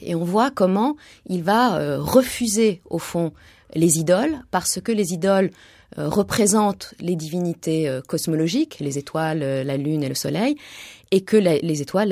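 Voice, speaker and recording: Measured woman co-hosting a radio talk. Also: lowish voice, darkish tone, no room sound, clean studio sound. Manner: measured, explanatory. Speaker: co-host and commentator. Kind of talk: radio discussion.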